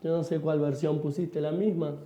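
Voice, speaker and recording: A man's voice: fairly high pitch, little pitch movement, normal speed, mellow. A Uruguayan man with a Rioplatense accent preaching a sermon, asking the congregation questions and answering them himself. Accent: Rioplatense Spanish. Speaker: pastor. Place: church hall. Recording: echoey church hall, dull sound.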